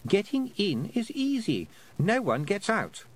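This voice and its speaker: A frightened teenage boy, as a man voices him, trapped and gloomy. He speaks hushed and flat, full of dread. His pitch sits high and wavering. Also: measured pace, exaggerated voice. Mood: fearful.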